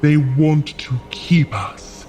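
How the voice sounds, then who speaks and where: Weary grave frost giant for an audio drama, soft dark voice, slow measured delivery, bit of music under it. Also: male voice, a little high. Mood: earnest, resolute. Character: solemn frost giant, shaman's son, idealistic and weary. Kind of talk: scripted audio drama acting.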